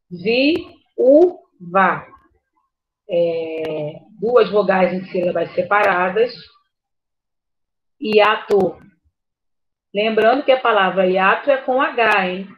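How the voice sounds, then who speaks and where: Woman, primary teacher, slow careful delivery, slightly muffled lo-fi audio. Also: mid-range voice. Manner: slow, patient, spells words out. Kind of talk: online class review.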